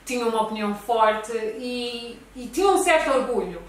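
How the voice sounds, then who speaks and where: A woman's voice: a little high, moderate pace. Woman chatting casually, bit hesitant, far from mic, faint noise behind. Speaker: talk show guest. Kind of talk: casual conversation between friends. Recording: very echoey room, distant mic, faint noise.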